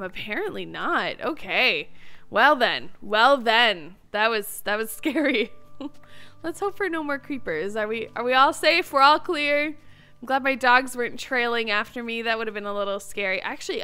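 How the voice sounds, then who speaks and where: A woman's voice: a little high, animated, moderate pace, bright, forceful tone. A woman hosting a gameplay video, chatting casually and expressively as she talks herself through what she is doing. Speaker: host of a gameplay video series. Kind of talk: casual video game commentary.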